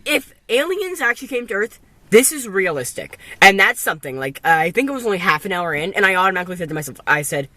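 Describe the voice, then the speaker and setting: Young dude reviewing a movie, swears a lot, bouncy high voice. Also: male voice, fast, no room sound. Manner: blunt, profane, animated. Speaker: co-host film reviewer. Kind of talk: casual film review chat.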